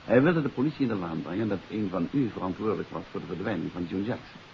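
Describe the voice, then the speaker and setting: An actor playing a shrewd, composed gentleman detective in a 1950s radio mystery, probing and explaining courteously. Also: low voice, expressive, fast, gravelly. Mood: explanatory. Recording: hissy, dull 1950s radio recording.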